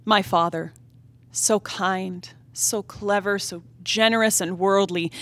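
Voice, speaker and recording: A woman acting a wilful, discontented young married woman in a period stage drama, in a reflective, halting, emotive soliloquy. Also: medium pitch, pushed and bright, no echo. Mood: bitter. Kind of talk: theatrical play reading, period drama monologue. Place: theatre stage, live play reading.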